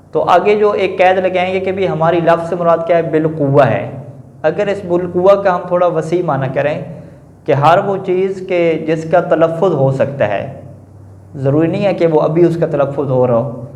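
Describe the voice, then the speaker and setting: A male teacher giving a classroom lecture on grammar, posing questions to the class and answering them himself, often adding a quick confirming filler. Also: on the high side, a little mellow. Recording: echoey room, dull lo-fi sound.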